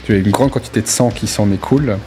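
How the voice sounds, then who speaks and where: A man's voice: fairly low pitch, fast, crowd noise. A man narrating a tabletop role-playing game as game master, informally and with relish for gory detail. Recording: music laid under the voice. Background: background music.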